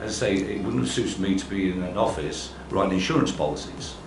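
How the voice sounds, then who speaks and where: A man's voice: deep voice, lively intonation, fairly quick, gravelly, background noise. A middle-aged man who runs a building company, giving plainspoken career advice to young people. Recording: roomy, with music underneath.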